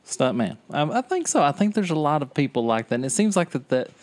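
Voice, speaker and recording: A man's voice: a little high, very animated, fast talker, a little mellow. A man in his forties hosting a podcast, chatting casually in a rambling, joking way. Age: 40s. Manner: rambling, jokey, self-deprecating. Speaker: podcast host. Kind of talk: casual chat.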